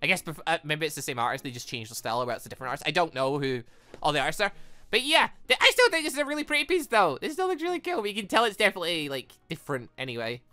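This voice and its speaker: An excitable, chatty let's player who giggles while commenting on and reading out a visual novel. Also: medium pitch, rapid-fire, dry recording, soft background music. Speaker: host of a game playthrough.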